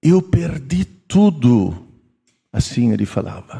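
Over a quiet background, a man speaks at a very slow pace in a dark, mellow, somewhat breathy tone with very wide pitch swings. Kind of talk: homily in church. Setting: church. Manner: folksy, conversational preaching full of rhetorical questions to the congregation; emotional storytelling, moved while recounting a flood victim's faith. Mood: emotional storytelling. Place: church. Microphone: handheld.

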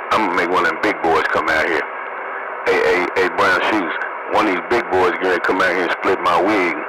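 The speech moves at a fairly quick pace over loud background noise, with a dry sound and no echo. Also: man. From Louisville, Kentucky. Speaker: CB/ham radio operator. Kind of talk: rapid-fire CB radio call-sign patter, shout-outs and signal checks over the air. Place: home room. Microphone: phone near.

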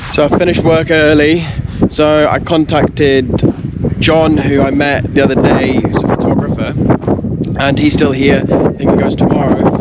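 A man talks at an even, moderate speed, the sound dry and echo-free despite loud noise behind him. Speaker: diving vlogger. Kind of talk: casual vlog chat. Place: open country. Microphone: phone near.

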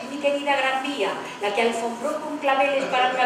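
A high-pitched woman's voice at a fairly quick pace, with noticeable background noise and audible room echo. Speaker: festival presenter. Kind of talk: poetry reading. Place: stage.

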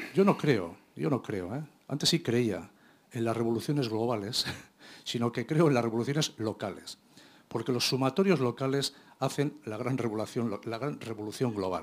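A plain, everyday voice from a man at medium pitch and a moderate pace. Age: 50s. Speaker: audience member. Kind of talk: audience question. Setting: lecture hall with audience.

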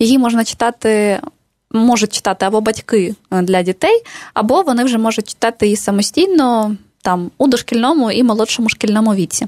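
In an unremarkable speaking voice, a woman speaks at a fairly high pitch and moderate pace, her loudness very even over a quiet background. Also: ordinary pitch variation. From eastern Ukraine, Donetsk region (Ilovaisk); Donetsk region, Ukraine. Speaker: writer; radio guest. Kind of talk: interview. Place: studio. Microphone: headset.

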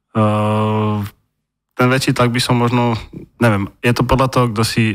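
The speaker moves at a moderate pace in a monotone, flat intonation. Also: man. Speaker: guest. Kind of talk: interview answer. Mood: calm, thoughtful. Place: studio. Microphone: studio mic.

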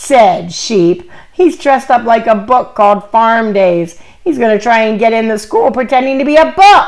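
The recording captures plain reading aloud.

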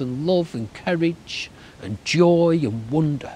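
A man talks at a high pitch with a dark, mellow tone. The sound is dry with no echo. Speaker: storyteller. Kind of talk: children's storytelling. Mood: warm, gentle. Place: forest. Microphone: phone near.

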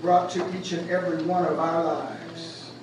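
A man speaks against loud background noise. Audible room echo fills the recording. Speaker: preacher giving the eulogy. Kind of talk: sermon, preacher in full flow, building call-and-response to a rousing climax. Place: church. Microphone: camera far.

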